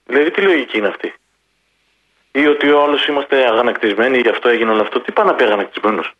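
A man's voice: medium pitch, expressive, slightly rough. Man, radio caller, frustrated, disagreeing, dull phone line. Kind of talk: casual call-in chat.

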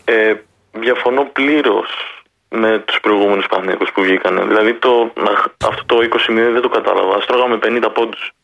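A man's voice: fairly low pitch, steady tone, vocal fry. Man, radio caller, frustrated, disagreeing, dull phone line. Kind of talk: casual call-in chat.

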